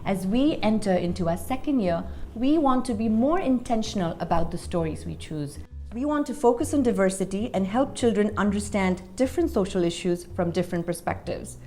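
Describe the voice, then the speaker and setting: A woman's voice: mid-range voice, animated, a little fast, dark tone, faint music behind. A woman presenting a scripted promotional narration as the voice of an educational initiative. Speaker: presenter for a read-aloud initiative.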